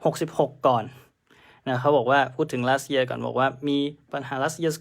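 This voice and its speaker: A man's voice: mid-range voice, fairly even intonation, moderate pace, creaky. A man teaching a live-streamed exam prep lesson, chatting through answers and mixing English terms into his explanations.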